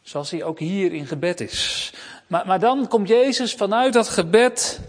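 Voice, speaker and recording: A man preaches a sermon, his voice a little higher than most. He speaks in a lively way and often turns straight to the children in the pews. A long church reverb trails after each phrase. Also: slow. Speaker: pastor.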